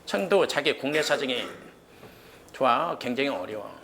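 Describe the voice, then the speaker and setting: A man teaching exam prep history in a cram school lecture room, firing questions at students and answering them himself, blunt and joking, with casual rough slang. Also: mid-range voice, animated, moderate pace, fairly bright tone, slight background noise.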